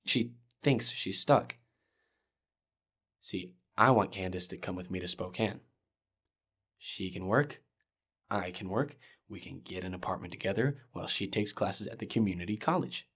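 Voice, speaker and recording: A man's voice: low-pitched, moderate pace, pauses often, fairly bright tone, husky, exaggerated voice. An actor playing an earnest, frustrated teenage boy in a podcast drama, talking casually and with exasperation.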